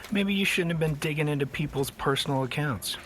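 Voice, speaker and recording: A man's voice: fairly high pitch, fairly quick, fairly bright tone, slight background noise, natural voice. Chiding prison officer played by a man. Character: gruffly chiding male prison release officer. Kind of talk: audio drama acting. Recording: music clearly behind the voice.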